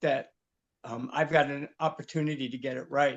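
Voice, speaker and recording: A man with a fairly high pitch talks with fairly even intonation. The background is quiet. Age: 60s. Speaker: participant on spiritual group call. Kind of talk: personal testimony. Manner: halting, many fillers and restarts.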